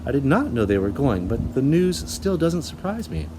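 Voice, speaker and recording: A man voicing a gentle, kind female schoolteacher in a storybook reading. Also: mid-range voice, very animated, moderate pace, noisy background, lightly acted. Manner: soft and gentle.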